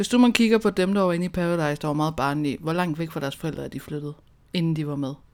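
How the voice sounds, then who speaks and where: The speaker goes at a very fast pace. Pitch variation is ordinary. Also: woman, fairly low pitch for a woman. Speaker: podcast host. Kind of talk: casual chat.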